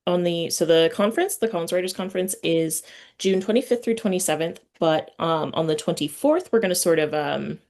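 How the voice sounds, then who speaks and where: A woman hosting a podcast, talking in an informal, halting, slangy way through chat and announcements. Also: on the low side, a little mellow. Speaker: podcast host. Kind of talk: casual chatty interview and announcements.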